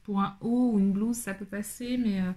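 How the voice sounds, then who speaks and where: A woman's voice: mid-range voice, fairly even intonation, normal speed, dark tone. A woman casually chatting through a fabric haul for her sewing channel, talking loosely with lots of fillers. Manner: chatty, many fillers, handling and showing fabric. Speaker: sewing vlogger.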